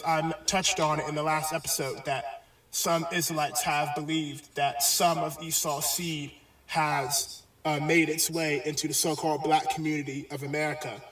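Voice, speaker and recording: A man's voice: on the high side, fairly bright tone. Brief: male bible teacher, hesitant delivery with frequent fillers, roomy echoey distant sound. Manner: halting, many pauses and fillers. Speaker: religious teacher. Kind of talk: bible lesson video. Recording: echoey, distant video playback.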